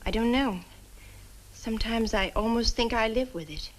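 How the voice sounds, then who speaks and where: A woman's voice: on the high side, normal speed, close to an everyday voice, rough recording. A young actress playing an earnest, uneasy village woman in an old horror film. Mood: uneasy, grave. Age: young adult. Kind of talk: 1960 horror film acting.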